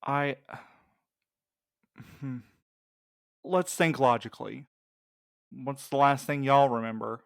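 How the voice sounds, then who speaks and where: A man's voice: medium pitch, slow pace, vocal fry, pauses often, clear, resonant tone, no room sound, clean studio sound. A man playing a careful, logical, slightly anxious courier in an audio drama, hesitantly reasoning aloud. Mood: puzzled. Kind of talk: naturalistic audio drama acting.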